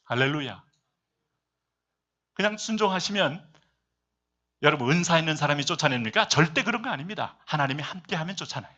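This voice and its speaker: A male pastor preaching a sermon at a church service, emphatic, with rhetorical questions and sudden shifts between loud and soft. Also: a little high, animated, brisk, long pauses.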